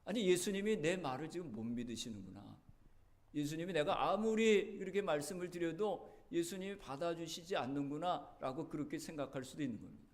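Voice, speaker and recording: A man's voice: a little high, animated, a little fast. A male pastor preaching a sermon in a church, telling the story earnestly, his voice rising and dropping. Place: church sanctuary.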